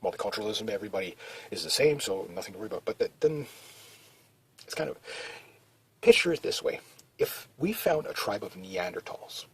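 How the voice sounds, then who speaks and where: Low-voiced man rambling to camera. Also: animated, brisk, long pauses, breathy edge. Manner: meandering, many restarts and "you know" fillers. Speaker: video blogger. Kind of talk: rambling casual monologue.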